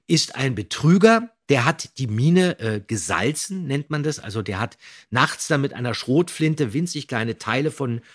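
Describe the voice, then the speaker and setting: Husky man in relaxed podcast discussion. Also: mid-range voice, moderate pace. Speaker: podcast co-host. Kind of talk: casual discussion, retelling a plot.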